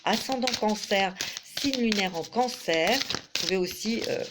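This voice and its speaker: A woman's voice: mid-range voice, animated, a little slow, heavy background noise. A middle-aged woman giving a chatty tarot reading to camera, full of fillers and restarts. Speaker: tarot reader.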